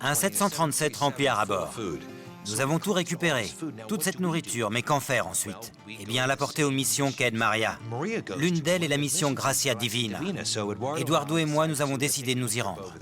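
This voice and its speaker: A man's voice: mid-range voice, animated, moderate pace. A man dubbing a renovation show host, narrating in an upbeat, explanatory way. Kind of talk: dubbed reality-show narration. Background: background music.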